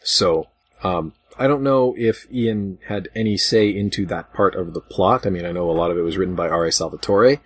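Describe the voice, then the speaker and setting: A man chatting casually as a podcast host, halting and digressive, dropping wry asides as he explains. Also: low-pitched, husky. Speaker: podcast host discussing video games. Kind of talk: casual chat.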